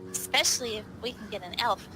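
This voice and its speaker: A woman's voice: fairly high pitch, fast talker, pushed and bright, soft background music, poor audio. A woman playing a tabletop roleplay, talking casually in character with a dry, skeptical manner. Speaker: roleplay player.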